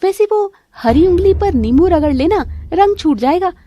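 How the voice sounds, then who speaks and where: A woman voicing a cheeky, bubbly young daughter-in-law in an animated family cartoon. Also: very high-pitched, moderate pace, dry recording, pitched above the performer's own voice. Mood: teasing. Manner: teasing, giggly, bubbly.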